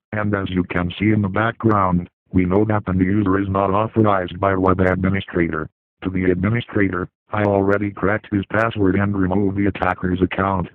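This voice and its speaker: A man reading a scripted accusing statement as an anonymous hacker, his voice disguised and pitched down, steady and flat. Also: no room sound. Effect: disguised, pitched-down deep voice. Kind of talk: scripted statement read aloud. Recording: dry, tinny phone-like sound.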